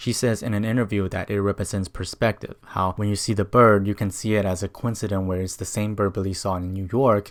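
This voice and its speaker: With a Mandarin accent, a man talks at a fairly quick pace in a fairly low pitch, with hardly any pauses. His intonation is monotone and flat, and the recording is very clean with a silent background. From China. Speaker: film reviewer. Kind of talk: video essay narration.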